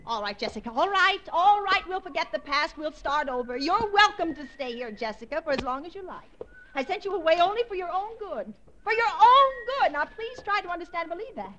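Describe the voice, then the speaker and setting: An actress playing a frightened, guilt-ridden sister pleading in 1940s radio suspense style, with a breathless, quavering delivery. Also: female voice, extremely high pitch, very animated, a little fast, pushed and bright, full character voice. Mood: anxious coaxing. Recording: noisy vintage radio recording.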